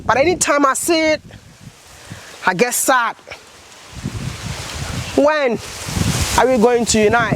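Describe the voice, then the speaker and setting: A man's voice: extremely high pitch, noisy background. A man vlogging with earnest, impassioned commentary, asking repeated rhetorical questions.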